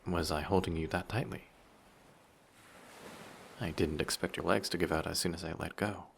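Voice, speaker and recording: Brief: male actor as possessive male sea monster for audio roleplay, very low and gravelly, quietly menacing yet flirtatious. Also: fairly even intonation, slight background noise. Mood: coolly threatening. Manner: measured, quietly menacing, formal wording. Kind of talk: intimate scripted audio roleplay drama.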